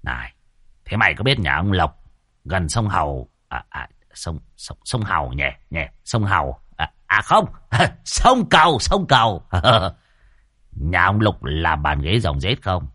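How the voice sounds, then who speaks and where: A man's voice: low voice, animated, unhurried, pushed and bright, slightly rough, no room sound, studio quality, voice pushed down, exaggerated voice. A man voicing a crude, boastful old male driver, coarse and bossy. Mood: gruff bossy.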